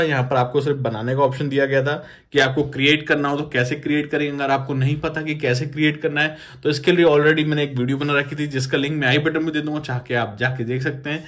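A man, presenting a casual phone tutorial in a repetitive, instructional way, addressing viewers as friends. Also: medium pitch. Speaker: tech YouTuber.

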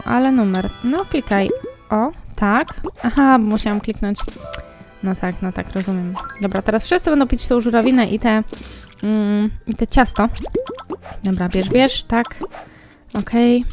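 Young woman vlogger playing a cafe game, slow chatty talk, middle pitch. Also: a little mellow. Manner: chatty, talks to the game characters while playing. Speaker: gaming vlogger. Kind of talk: casual let's-play commentary. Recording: faint game music behind.

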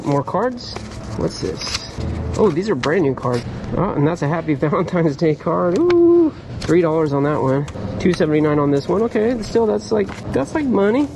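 A man vlogging casually as he sorts through a storage locker, chatty and upbeat with excited exclamations. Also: a little high. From California, USA. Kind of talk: casual chat to camera while sorting boxes. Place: outdoors at a storage unit row. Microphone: head-mounted camera. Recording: outdoor noise behind.

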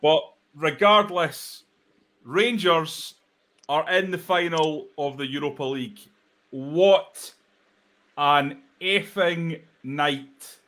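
Croaky, bright-voiced host. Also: male voice, fairly high pitch, slow pace. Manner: excitable, chatty. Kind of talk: live football reaction chat. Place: home room, indoors. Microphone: webcam video call.

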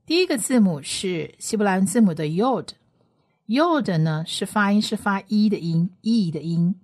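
A woman teaching biblical Hebrew on a radio lesson, patiently spelling out letters and repeating each sound slowly. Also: medium pitch, a little mellow.

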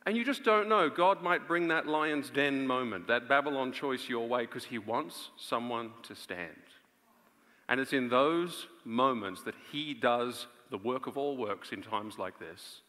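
A man in his thirties preaching an earnest, emphatic live sermon with dramatic pauses on a large auditorium stage. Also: mid-range voice, lively intonation, sharp tone. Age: 30s. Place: on stage in a large theatre before an audience. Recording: reverberant large auditorium sound.

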